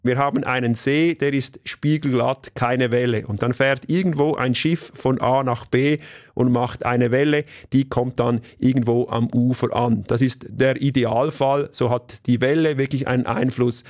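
Man, medium pitch, dry close sound, expert explaining in interview. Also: steady tone, moderate pace, a little mellow, dry recording.

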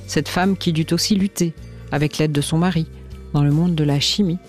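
Calm woman narrating a radio portrait. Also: sits low, soft background music. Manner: calm, measured storytelling.

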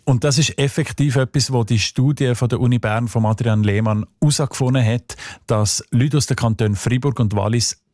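A man with a Swiss German Sensler accent, a dialect expert talking thoughtfully on radio and pausing often to search for words. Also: medium pitch, darkish tone, no echo, studio quality. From Switzerland. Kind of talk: relaxed radio conversation. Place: radio studio.

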